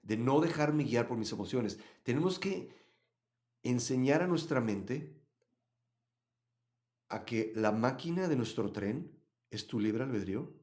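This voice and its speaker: A man from Mexico, teaching a live Bible study and answering chat comments, swinging between loud emphasis and quiet asides. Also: mid-range voice, animated, unhurried, long pauses.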